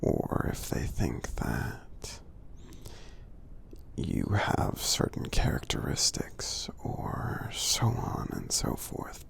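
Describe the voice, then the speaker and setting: A man voicing a kindly, encouraging giant for ASMR affirmations, in a soothing, breathy, gravelly whisper. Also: a bass voice, exaggerated voice. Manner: slow, soothing, gently earnest. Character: kindly giant friend, gentle, reassuring, encouraging.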